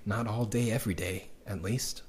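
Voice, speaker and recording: An actor playing a bitter, hopeless man recording a diary in an audio drama, conversational, halting and cynical. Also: fairly low pitch, steady tone, a little hiss or hum, close to an everyday voice. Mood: resigned.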